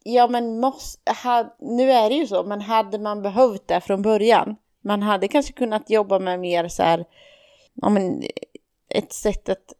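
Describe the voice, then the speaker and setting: A woman's voice: mid-range voice, steady tone, a little mellow, clean tone. A woman co-hosting a podcast, thinking aloud in a casual reflective discussion, hesitant with many fillers and restarts. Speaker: podcast co-host.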